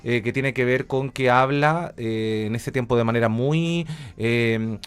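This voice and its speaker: Speaking slowly and clearly, this man has a resonant mid-range voice and a Chilean accent. He's a radio drama director and academic appearing as an interview guest, and his explanations come across as casual and enthusiastic.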